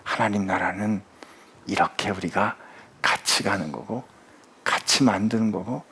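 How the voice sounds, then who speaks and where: A pastor voicing Jesus in a low, soft, tender way during a sermon. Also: male voice, a little slow, slightly rough, heavily acted. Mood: gentle. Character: calm gentle male teacher figure, Jesus.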